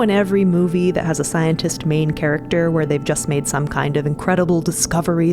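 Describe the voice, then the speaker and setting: Female co-narrator, lower register, scripted storytelling with conversational asides, clear music bed.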